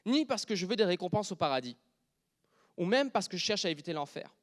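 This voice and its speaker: Quebec French male preacher, slightly high voice, swings between hushed and booming. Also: very animated, a little fast. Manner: shifts from quiet intimate speech to loud joking with the congregation. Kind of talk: sermon.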